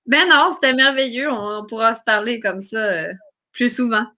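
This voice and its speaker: Casual interview guest: woman, Quebec French accent, high and very bright voice, chatty and effusive. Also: moderate pace. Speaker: guest, singer and YouTube creator. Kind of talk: casual chat.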